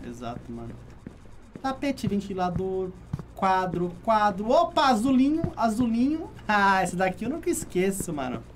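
A man's voice: high voice, background noise. A man with a Brazilian Portuguese accent giving casual let's-play commentary, murmuring a running checklist of what he sees and talking to his chat. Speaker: gaming streamer.

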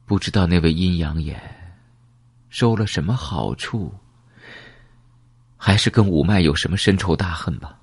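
Man doing a calm woman, flat cool delivery, husky, dry close sound. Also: deep voice, moderate pace, long pauses, no room sound. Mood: cool, grave. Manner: speaks flatly and coolly. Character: calm middle-aged woman recalling a grim past.

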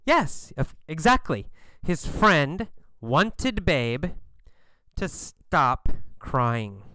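Teacher going super slow thru a story, asking and answering over and over, lively voice, clean dry sound. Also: mid-range voice, clean tone, no room sound. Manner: repetitive, drilling questions and answers; emphatic, exaggerated delivery. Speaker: English teacher. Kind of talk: question-and-answer story lesson.

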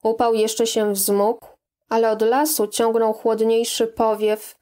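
A woman narrating an audiobook in a calm, measured reading voice. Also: a little high. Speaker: audiobook reader. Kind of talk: scripted narration.

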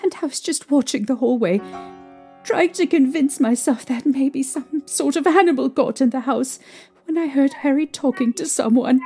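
A young woman playing a distraught, haunted mother recounting her ordeal emotionally and haltingly in an audio drama. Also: high voice, dark tone, faint music behind. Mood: uneasy, shaken.

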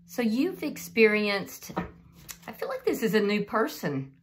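A slightly hoarse woman giving a casual, unscripted tarot reading and speaking directly to the listener as the channel's host. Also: mid-range voice, big pitch swings, unhurried.

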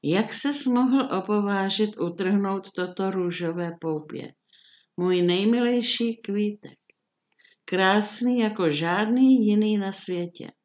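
A woman voicing a fierce, monstrous beast from a fairy tale, speaking in a booming, threatening way. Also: lively intonation, lightly acted. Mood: menacing.

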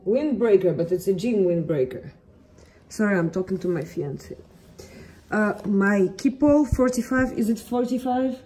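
Here a young Russian-accented vlogger chats with playful candor while filming herself on an outstretched phone during a walk outside. She has a medium, dark, slightly rough voice with lively intonation and an unhurried pace, captured on a rough recording. Scenes shift from home to gym to an outdoor city street.

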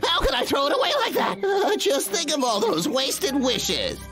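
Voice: sits high, wildly swooping pitch, normal speed, full character voice. An actor playing a greedy, poor cartoon lumberjack, histrionic, whining and gloating by turns. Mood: scheming, gloating. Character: excitable, greedy, poor male lumberjack named Vic. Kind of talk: exaggerated cartoon dub acting. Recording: loud cartoon music behind.

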